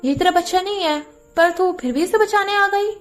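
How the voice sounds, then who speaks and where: A woman's voice: very high voice, normal speed. A woman narrator voicing a bitter, vengeful young woman cousin in a drama recap, with faint music underneath. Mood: taunting.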